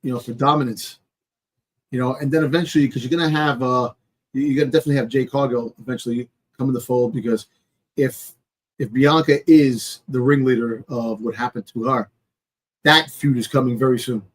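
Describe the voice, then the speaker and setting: A man co-hosting a casual sports discussion, speaking haltingly as he gropes for words. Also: medium pitch, steady tone, a little hiss or hum, poor audio. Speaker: wrestling podcast co-host.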